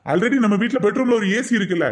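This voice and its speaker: A man's voice: high voice, animated, quick pace. A man voicing a stingy middle-aged husband in a cartoon comedy, teasing and bickering with his wife.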